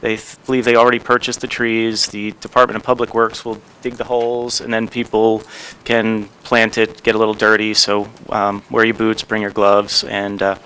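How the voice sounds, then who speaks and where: A man with a bright, crisp voice speaks as mayor at a town council meeting. He talks in a loose, rambling way, full of fillers and restarts. His voice carries clearly and smoothly through the chamber. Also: fairly low pitch, steady tone, rough recording. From New Jersey. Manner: rambling, halting with many fillers.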